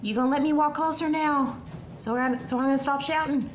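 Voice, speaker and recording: A woman playing a tabletop game who speaks her character's lines softly, almost whispering. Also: high voice, steady tone, a little fast, a little hiss or hum. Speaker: player. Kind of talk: casual tabletop game chat.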